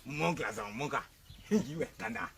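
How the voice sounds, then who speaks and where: Man playing a gravelly chanting village sorcerer. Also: mid-range voice, animated, measured pace, fairly bright tone, a little hiss or hum. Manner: chanting, laughing, theatrical. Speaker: comedy sketch actor. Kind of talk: village comedy sketch acting.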